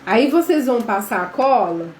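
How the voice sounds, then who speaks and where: A woman's voice: on the high side, sing-song, moderate pace, a little mellow. Chatty Brazilian woman teaching live. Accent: Brazilian Portuguese. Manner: chatty, addresses viewers as gente, quizzes them. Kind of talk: live online craft class. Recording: echoey room with faint background noise.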